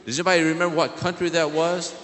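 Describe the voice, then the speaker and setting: American priest preaching in a reverberant church. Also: male voice, a little high, little pitch movement, quick pace, fairly bright tone. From southern Illinois, United States. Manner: simple questions to children, repeats their answers. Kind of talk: children's homily in church. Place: large indoor church. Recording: echoey church hall, long reverb.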